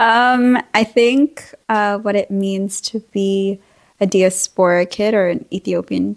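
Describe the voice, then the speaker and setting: Over a quiet background, a woman with a plain, everyday voice speaks at a fairly slow pace, medium pitch and fairly even intonation, the sound dry and close with no echo. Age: 20s. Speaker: law student. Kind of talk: panel discussion.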